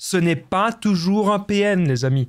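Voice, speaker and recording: A man with a Belgian accent speaks in a high voice with ordinary pitch variation. The recording is very clean, with a silent background. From Belgium. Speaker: relationship coach. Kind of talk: casual monologue to viewers.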